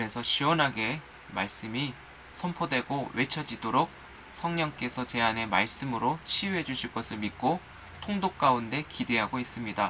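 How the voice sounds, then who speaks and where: There is noticeable background noise behind a man's medium-pitched voice. His intonation is lively. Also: moderate pace. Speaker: pastor. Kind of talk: reading aloud; closing remarks.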